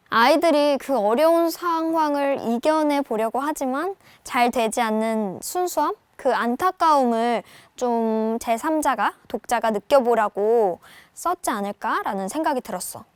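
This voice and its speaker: High-pitched and echo-free, this young woman's voice carries a playful novel review aimed at viewers she treats like pals. She speaks casual banmal with plenty of energy and works as a book reviewer and reading tutor.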